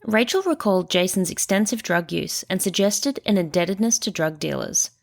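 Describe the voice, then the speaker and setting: A woman hosting a true crime podcast, reading a measured scripted narration with a stuffy nose. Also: lowish voice, expressive, creaky. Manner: measured, reasoning aloud through evidence.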